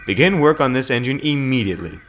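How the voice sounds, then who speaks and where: A man voicing a stern, fatherly older railway controller, speaking in a firm, measured, formal way, with music behind. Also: mid-range voice, animated, fairly bright tone, a little hiss or hum, voice pushed up, natural voice. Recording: background music.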